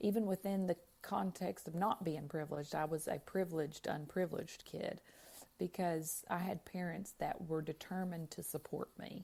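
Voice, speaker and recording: A woman speaks at a fairly low pitch with a dark, mellow tone. Her pace is moderate and her intonation fairly even. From Appalachia, East Tennessee. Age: 30s. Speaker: comedian. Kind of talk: casual chat. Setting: podcast interview.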